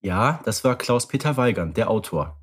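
A man co-hosting a podcast, chatting casually and wryly about radio plays, with lively storytelling and some fillers. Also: on the low side, moderate pace, husky. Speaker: podcast co-host.

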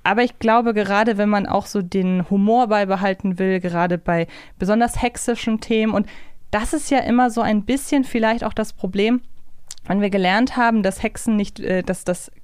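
A woman with a clean, resonant voice at a medium pitch talks casually as a podcast co-host. She reasons things through aloud, often rephrasing herself. The sound is dry, with hardly any room on it. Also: normal speed, a little mellow, clear, resonant tone, no echo. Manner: reflective, hedging, thinking aloud with self-corrections. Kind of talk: casual analytical podcast chat.

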